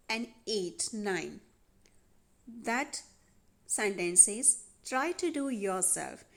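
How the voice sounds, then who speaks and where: A woman teaching a grammar lesson over a worksheet, patiently repeating instructions to students. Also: on the high side. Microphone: voice-over on handwritten worksheet video.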